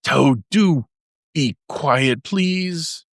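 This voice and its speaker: A man's voice: fairly high pitch, expressive, extremely slow, gravelly, dry recording, studio quality, pitched above the performer's own voice, heavily acted. A man voicing a sensible, earnest male water rat in a storybook reading. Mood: pleading.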